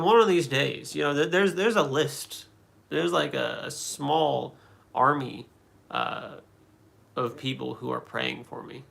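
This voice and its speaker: Man, very gravelly voice, casual livestream chat, rambling with fillers. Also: medium pitch. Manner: relaxed, rambling, many fillers and restarts. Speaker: livestream host answering chat.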